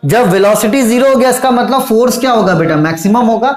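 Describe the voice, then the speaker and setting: Intense male teacher with a fairly high voice, fatherly and loud, in an echoey room. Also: expressive. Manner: loud, intense, fatherly, calls students "beta"; dictates definitions slowly word by word. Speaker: engineering teacher. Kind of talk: exam-prep lecture.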